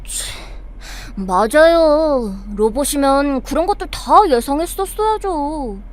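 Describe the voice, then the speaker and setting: A woman playing a naive, eager and sheltered young survivor in an audio drama, with an expressive, wide-eyed delivery. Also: sits high, takes it slowly. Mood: sulky, then apologetic. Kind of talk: Korean audio drama acting.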